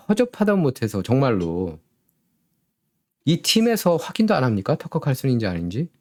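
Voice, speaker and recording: Male commentary host, lively pitch swings, sarcastic, rhetorical, mid-pitched voice. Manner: sarcastic, rhetorical questions, animated. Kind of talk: solo political commentary.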